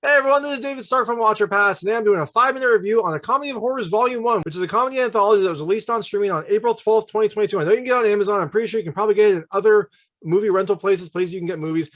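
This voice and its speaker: A man's voice: high voice, rapid-fire, fairly bright tone, faint music behind. A man hosting a casual video movie review, talking in a chatty, informal and emphatic way. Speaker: film reviewer and channel host.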